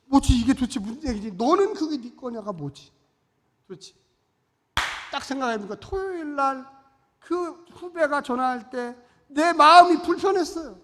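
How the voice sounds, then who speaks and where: A male pastor delivers a sermon as a lively story, jumping from loud outbursts to quiet asides. His voice is bright and sharp. It rings out with the long reverb of a church hall. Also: very high voice, moderate pace. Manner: animated storytelling, swinging between loud and hushed. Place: church sanctuary.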